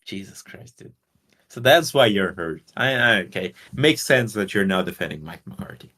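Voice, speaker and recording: A man's voice: sits low, lively intonation, moderate pace, bright, forceful tone. A man from Portugal co-hosting a casual sports podcast, talking bluntly with swearing and rambling explanations. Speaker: podcast co-host.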